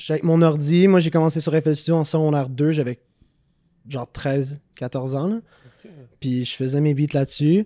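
A man with a dark, mellow tone talks at a moderate pace with fairly even intonation and long, frequent pauses, in a dry, close sound with no echo on a very clean recording against a silent background. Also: fairly high pitch for a man. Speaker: music producer. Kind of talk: casual interview.

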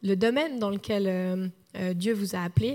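A woman speaks in a normal speaking voice. Her pitch is medium, with ordinary pitch variation. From French-speaking Switzerland, Morges (Vaud). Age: 40s. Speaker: mayor and churchgoer giving a talk. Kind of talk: church talk.

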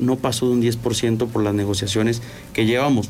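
Music plays in the background as a man speaks at medium pitch and a moderate pace with fairly even intonation. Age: 20s. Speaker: real estate investment entrepreneur. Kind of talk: interview. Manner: too quiet on mic.

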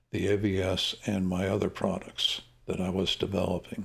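A fairly low-pitched, somewhat breathy male voice at a moderate pace, with fairly even intonation, in a very clean recording with a silent background. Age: 70s. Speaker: model shipbuilding business owner and podcaster. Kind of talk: scripted narration. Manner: formal.

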